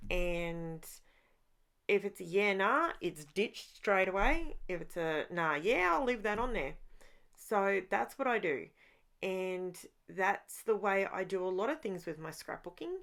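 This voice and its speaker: On a very clean recording with a silent background, a woman talks in an Australian accent. Her medium pitch has ordinary variation, and she speaks at a fairly slow pace. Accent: Australian, noticeable to viewers. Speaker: craft YouTuber. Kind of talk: casual voiceover tutorial. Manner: chatty, casual with fillers.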